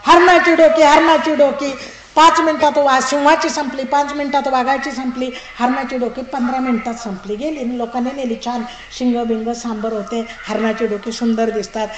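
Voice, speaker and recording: High-voiced woman giving a storytelling sermon. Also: brisk, hardly any pauses, over music. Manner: lively storytelling that acts out characters and street calls. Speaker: pravachan speaker. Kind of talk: storytelling religious discourse. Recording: echoey hall with audience noise.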